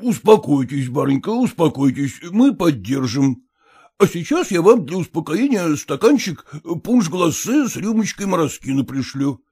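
A man voicing a fussy older theatre man who reassures an actress slowly, with hesitant pauses. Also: on the high side, very animated, a little mellow, slightly rough, heavily acted. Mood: reassuring. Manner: unhurried, hesitant with drawn-out "uh"s.

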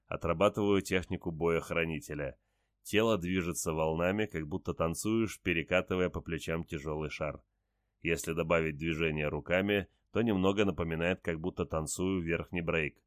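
A man reading a first-person story aloud in a calm, terse manner with short clipped sentences. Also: deep voice, moderate pace, no room sound, studio quality. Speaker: audiobook narrator.

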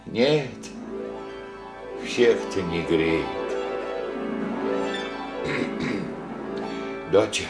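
An actor playing an old village widower, gentle and grieving, talking in folksy rural speech with sighs. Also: male voice, on the low side, roomy sound, exaggerated voice. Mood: rueful. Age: older. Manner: folksy rural speech, slow and rambling, sighing. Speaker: elderly village father. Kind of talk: radio play acting.

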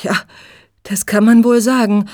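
A woman's voice: on the high side, fairly even intonation, a little slow, a little mellow, no room sound, clean studio sound, pitched above the performer's own voice, lightly acted. A woman voicing a playful, mischievous young German woman visiting her friend. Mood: friendly.

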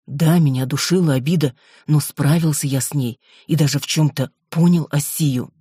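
A man narrating a first-person audiobook in a measured, brooding way. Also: fairly high pitch, steady tone, dark tone, breathy edge, dry recording, clean studio sound.

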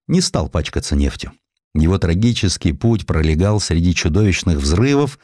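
A man's voice: deep voice, darkish tone, dry recording, studio quality. A man narrating historical sketches as a scripted audiobook, in a theatrical storytelling manner that addresses the listener.

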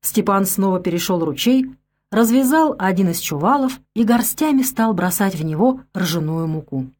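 A woman narrating an adventure audiobook in a steady, clear storytelling manner. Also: mid-range voice, normal speed.

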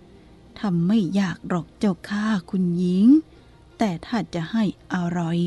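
A woman voicing a humble, deferential elderly female country cook in a storybook reading, slow and polite. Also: lowish voice, warm tone, breathy edge, soft background music. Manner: deferential, polite and self-effacing.

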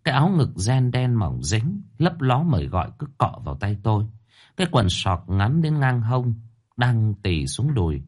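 A man reading a first-person story aloud with expressive, dramatic delivery. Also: on the low side.

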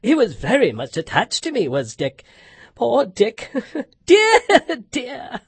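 A woman voicing an old miserly man who exclaims and softens with emotion. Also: huge pitch swings, takes it slowly, slightly rough, dry recording, exaggerated voice. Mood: wistful. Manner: exclaiming, then softening, with swooping pitch. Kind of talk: storybook reading.

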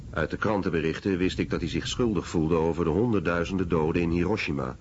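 A man with a very deep voice reads a documentary voice-over translation. The recording is slightly muffled, with faint noise behind him. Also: a little mellow.

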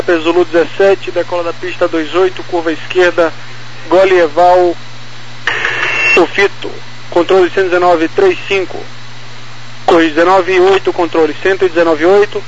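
High-pitched, flat Brazilian man on radio. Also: normal speed. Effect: aviation radio. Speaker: air traffic ground controller. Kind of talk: radio callout, clipped procedural phraseology. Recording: muffled, noisy air traffic radio.

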